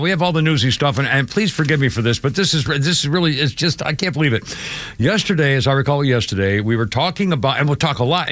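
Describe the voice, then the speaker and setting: A man's voice: mid-range voice, fairly bright tone, no room sound. Older radio host man, dry close mic. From New England. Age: 70s. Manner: rambling, self-interrupting, exclamatory. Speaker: radio talk show host. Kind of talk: rambling radio storytelling. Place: radio studio. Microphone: studio microphone.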